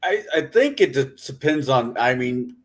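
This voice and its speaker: A man's voice: mid-range voice, expressive, unhurried. A man on a podcast panel discussing casually, hesitantly circling back to rephrase his points.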